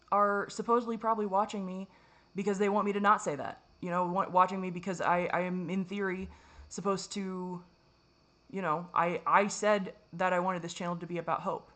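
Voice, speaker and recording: Woman vlogger, lowish voice, raw confessional to-camera ramble, curses a lot, trips over her own sentences. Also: a bit bright. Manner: rambling, self-critical, profane, frequent restarts.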